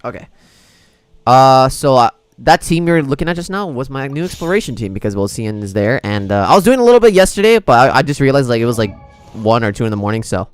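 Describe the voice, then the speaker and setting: A man's voice: mid-range voice, sing-song, fast talker, clean tone, dry recording. A man livestreaming a video game in casual, slangy, chummy chat with his viewers. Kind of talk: casual gameplay stream chat. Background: game music.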